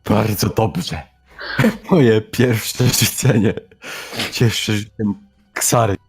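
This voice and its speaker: A man plays a solemn, commanding hedgehog hero in an amateur game parody. The voice sits a little low and moves slowly, stating each line deliberately. Soft music is faintly audible behind.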